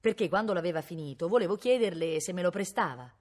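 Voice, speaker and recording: Woman voicing a bearded male bandit, shy, sheepish, hesitant, storybook reading, animated intonation. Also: on the low side, quick pace.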